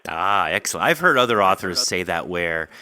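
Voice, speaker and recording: A man's voice: deep voice, expressive, moderate pace, sharp tone, dry recording. A man hosting a podcast interview in a conversational, effusive and wordy manner.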